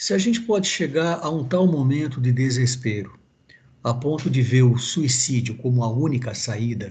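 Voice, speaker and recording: Somewhat breathy, a man speaks at a medium pitch and moderate pace. Ordinary pitch variation comes through with audible room echo. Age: 60s. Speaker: psychiatrist. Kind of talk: lecture. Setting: video call.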